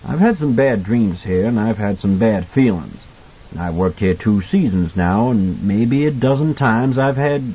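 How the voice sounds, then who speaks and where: Audiobook role: kindly older male cook, played by a man. Husky, very animated, folksy, earnest and protective. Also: on the low side, highs cut off, full character voice. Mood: grave, cautioning. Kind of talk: audiobook character dialogue.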